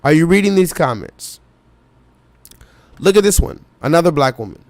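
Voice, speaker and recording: A man's voice: a little high, animated, moderate pace, a little mellow, no echo. A man hosting a live reaction stream, reading viewer comments aloud and pressing his chat with urgent, repetitive remarks. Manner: urgent, insistent, repeats himself, addresses chat directly.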